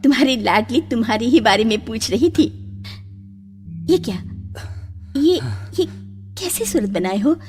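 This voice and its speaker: Emotional, high-voiced poor mother. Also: animated, unhurried, long pauses, a little mellow, faint music behind. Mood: tender, then alarmed. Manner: pleading, emotional. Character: poor labourer mother, devoted, anxious wife. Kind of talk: Hindi radio play acting.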